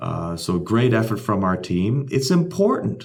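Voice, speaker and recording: Vocal fry runs through a man's medium-pitched voice, which carries audible room echo. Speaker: company CEO giving investor update. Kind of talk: weekly business update video. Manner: fast.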